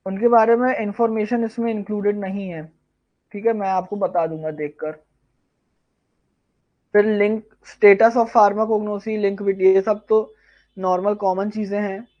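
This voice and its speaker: A male tutor giving a live online revision lecture, firing off quiz questions and answering them himself, slowing down to dictate key terms. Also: high-pitched, steady tone, a little mellow, highs cut off. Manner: quizzes viewers, then answers his own questions. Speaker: pharmacognosy tutor.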